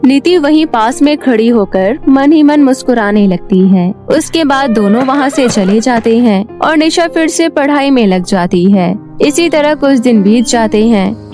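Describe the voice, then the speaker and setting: A woman with a high, clear voice narrating a cartoon storybook in steady, scripted tones. Soft music plays faintly underneath. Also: measured pace.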